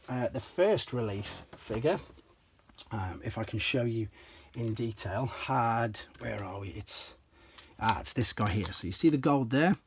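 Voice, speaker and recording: A slightly hoarse man, an enthusiastic toy collector, casually explaining and demonstrating pieces from his collection step by step, with frequent ums. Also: medium pitch, slight background noise. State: slightly hoarse, clears throat.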